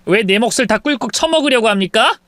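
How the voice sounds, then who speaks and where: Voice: medium pitch, expressive, a little fast, a bit bright, no echo, clean studio sound, pitched above the performer's own voice, lightly acted. A reader voicing an angry young wife who accuses her husband's family of theft, in an indignant tone. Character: angry young wife confronting thieving in-laws.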